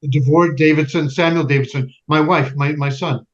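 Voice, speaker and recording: A man playing a Jewish husband and father, narrating his memories of the ghetto in a solemn, measured stage delivery. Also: a little high, steady tone, lightly acted. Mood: subdued. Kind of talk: dramatic first-person narration in a stage play. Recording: dull band-limited sound under music.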